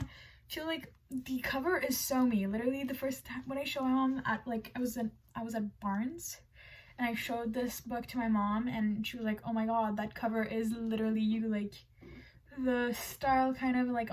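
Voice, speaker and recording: Bubbly, rambling young woman. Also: a little high. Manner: bubbly, rambling, many "like"s and restarts. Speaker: book vlogger. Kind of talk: casual haul video.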